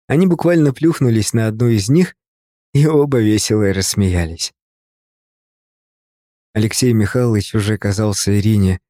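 A man reading a novel aloud as an audiobook narrator, calm and measured. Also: medium pitch, no echo, clean studio sound.

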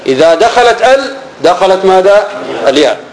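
High-voiced man teaching grammar. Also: big pitch swings, moderate pace, poor audio. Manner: asks questions and answers them himself, repeats key words; drops low and soft on answers. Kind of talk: explaining Arabic grammar lesson.

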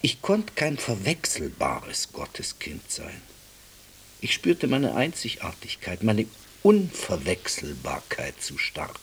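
An actor in a radio play voicing a devout, impassioned Jewish man who speaks haltingly, at times dropping to a whisper. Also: sits low, huge pitch swings, a little hiss or hum, heavily acted. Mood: fervent, anguished.

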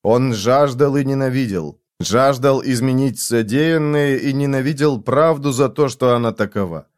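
A man narrating an audiobook in a measured, expressive way. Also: medium pitch.

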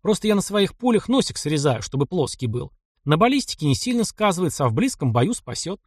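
A man reading the lines of a cocky, sharp-tongued young male taiga hunter in an audiobook. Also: a little high, big pitch swings, a little fast, husky, dry recording, studio quality, pitched above the performer's own voice. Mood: explaining. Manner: cocky, sarcastic retorts.

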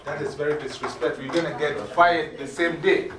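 A middle-aged woman with a Ghanaian accent, mentoring young people in an informal classroom talk, lively and preachy, laughing easily. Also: low voice, a little fast, crowd noise. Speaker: mentor speaking to youth. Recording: echoey room from far off.

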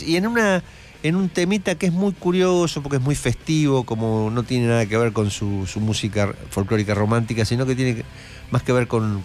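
A middle-aged man with an Argentine accent giving indignant, opinionated political commentary as a radio host at a studio microphone. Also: mid-range voice. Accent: Argentine Spanish.

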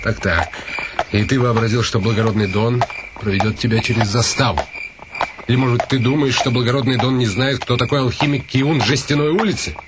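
A man's voice: mid-range voice, fairly even intonation, a little fast, heavy background noise, lightly acted. A man acting a weary, ironic, brooding nobleman in a radio play, musing to himself and turning imperious with others. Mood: condescending. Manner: musing, self-questioning, mockingly grand when addressing others. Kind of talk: radio play acting, inner monologue and dialogue.

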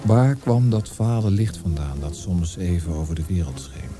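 A man's voice: deep voice, animated, normal speed. A man reading literary scripted narration in a radio play. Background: music.

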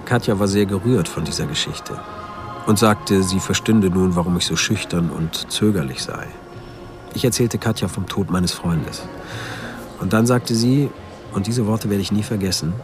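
A sober friend recounting events in a radio play. His voice is low and reflective, with music playing clearly behind him. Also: moderate pace. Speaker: actor narrating as a character. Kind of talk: first-person radio drama narration.

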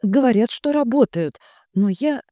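A woman voicing an anxious, devoted middle-aged housekeeper with a high, fretting, lamenting way of talking. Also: expressive, unhurried, dark tone, no echo. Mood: confiding.

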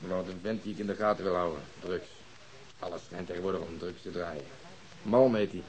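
An actor playing a bitter, bossy police detective in a radio drama, stern and cutting in manner. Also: male voice, low voice, fairly quick, a little mellow, lightly acted, rough recording. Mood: wry, grumbling.

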